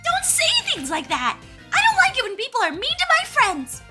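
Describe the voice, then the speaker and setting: A bubbly young girl trainer with an extremely high, bouncing voice. She is relentlessly friendly and earnest, in fan-dub cartoon style, with loud music behind her. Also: huge pitch swings, normal speed, heavily acted.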